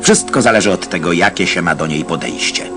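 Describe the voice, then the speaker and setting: A man with a very deep voice delivers old newsreel narration, measured and wry in tone. Music plays under him throughout.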